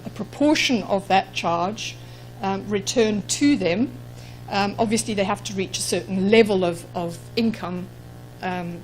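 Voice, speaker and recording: A woman from Zimbabwe with a Zimbabwean accent, giving a measured conference presentation with frequent ums. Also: medium pitch, a little hiss or hum, rough recording. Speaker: conference speaker. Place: conference room.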